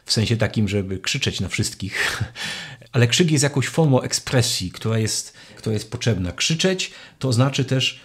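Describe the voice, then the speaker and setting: A man's voice: mid-range voice, expressive, moderate pace, slightly rough. A man giving a spoken catechesis, reflective and searching for words, often restarting his phrases. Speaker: lecturer on faith.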